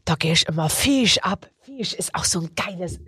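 A woman's voice: lowish voice, lively intonation, moderate pace, bright, forceful tone, slightly rough, voice pushed down, exaggerated voice. A woman voicing a brash Saxon woman ordering pizza by phone, in a put-on Saxon accent with a drawling, cheeky, slangy manner.

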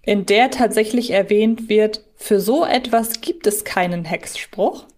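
A woman's voice: medium pitch, measured pace, darkish tone. A woman co-hosting a podcast in casual discussion, inquisitive and thinking aloud. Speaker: podcast co-host. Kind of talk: casual discussion between fans.

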